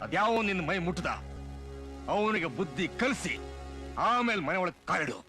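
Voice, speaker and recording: Stern film father, middle-aged, high, commanding voice, score playing underneath. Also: expressive, normal speed. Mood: stern scolding. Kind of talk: dubbed film drama acting. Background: dramatic film music.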